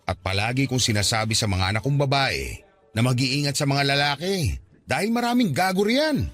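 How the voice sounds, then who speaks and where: A man's voice: mid-range voice, animated, moderate pace, fairly bright tone, soft background music, natural voice. An actor playing a dismissive middle-aged policeman in a Tagalog radio drama, lecturing in a patronizing, colloquial way. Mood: defensive lecturing.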